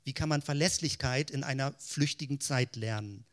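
A man's voice: mid-range voice, moderate pace. A man giving a theological teaching talk, explaining step by step in keyword lists and asking rhetorical questions. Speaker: Christian teacher.

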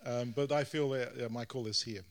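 A man's voice: mid-range voice, steady tone, moderate pace. Middle-aged man, British accent, guest pastor. Mid-range voice, informal delivery, short interpreted phrases. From London, Britain. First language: English.

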